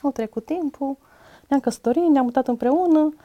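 A middle-aged woman with a fairly high but mellow voice, telling her story as a podcast guest. She speaks candidly and reflects on her past in casual conversation. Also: lo-fi sound. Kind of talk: personal testimony in casual conversation.

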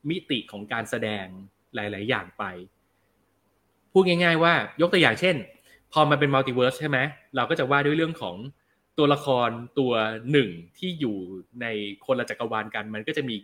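A young adult man hosts a laid-back film review chat, his voice bright and forceful. He talks in a loose, slangy way and reads out viewer questions before answering them. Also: mid-range voice, normal speed. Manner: relaxed, chatty, slangy, reads out viewer comments. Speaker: film review show host.

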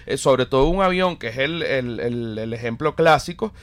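A young adult man with a Venezuelan accent, a comedian co-hosting a podcast, blunt and animated, swearing often in casual banter. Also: mid-range voice, moderate pace. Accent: Venezuelan Spanish. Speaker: comedian co-host.

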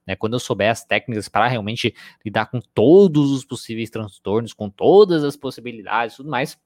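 Recorded dry and at studio quality, a man with a medium-pitched voice and a Brazilian Portuguese accent gives a live-streamed psychology lecture. He keeps it conversational and often tacks on tag questions.

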